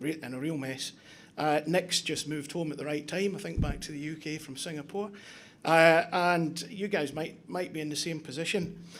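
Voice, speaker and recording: Audible room echo colors the voice. The pace is moderate and the intonation fairly even. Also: man. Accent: Glaswegian. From Scotland, Glasgow. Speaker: timber manufacturer executive. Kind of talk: conference presentation. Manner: halting, many fillers.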